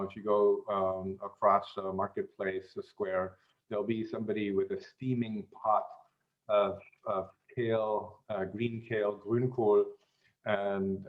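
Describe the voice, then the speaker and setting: A man who grew up in German-speaking Europe, chatting as an interview guest in an unhurried way, with many fillers and restarts. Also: lowish voice, lo-fi sound. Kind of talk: casual interview chat.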